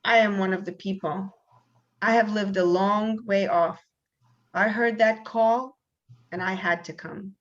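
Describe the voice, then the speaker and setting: A woman's voice: mid-range voice, fairly even intonation, unhurried, lightly acted. A woman reading the part of a fervent, plain-spoken common woman in a stage play over a video call. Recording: dull video call audio.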